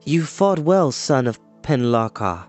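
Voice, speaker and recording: A man voicing an earnest young male fantasy hero, speaking quietly in a storybook reading. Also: mid-range voice, very animated, a little slow, faint music behind. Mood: grateful, quiet. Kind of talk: dramatised audiobook reading.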